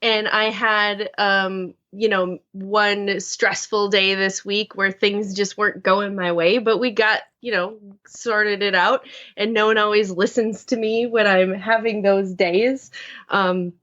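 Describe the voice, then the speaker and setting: A woman's voice: medium pitch, level tone, slow, a bit bright, highs cut off. A woman from Minnesota with a Minnesotan accent, chatting as a podcast guest in a bubbly, enthusiastic way with many ums. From Minnesota, USA. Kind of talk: casual podcast chat.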